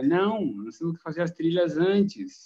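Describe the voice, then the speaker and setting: Lively intonation at a moderate pace. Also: man. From Argentina. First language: Spanish (speaking Portuguese). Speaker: film editor. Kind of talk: panel discussion.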